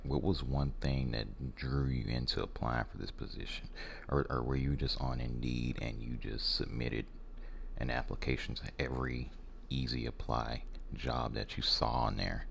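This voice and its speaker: A soft-spoken American man playing a rude, jaded warehouse hiring manager in an ASMR role-play, blunt, halting and apathetic. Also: very deep voice, fairly even intonation, gravelly, full character voice. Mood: dismissive, bored. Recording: faint background noise.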